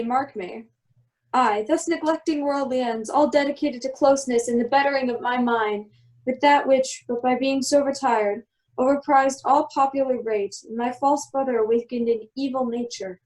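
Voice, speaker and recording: A woman playing a commanding exiled magician and protective father, giving a measured, solemn reading of Shakespearean verse for an amateur radio play. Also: sits high, a little mellow, lightly acted, low-quality recording.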